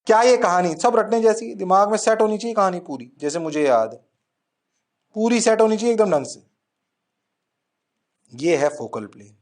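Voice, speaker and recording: High-voiced playful male physics teacher. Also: lively intonation, moderate pace, long pauses. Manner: playful sing-song coaxing; mixes English terms into speech. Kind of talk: exam-prep lecture.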